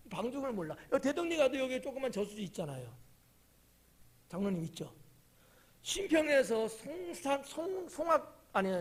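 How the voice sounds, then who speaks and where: A male pastor, preaching a casual Wednesday sermon. He keeps asking the congregation questions, then sinks to a whisper or jumps to a shout. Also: very high voice, husky. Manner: chatty, quizzes the congregation by title; drops to whispers and rises to sudden shouts. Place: church sanctuary.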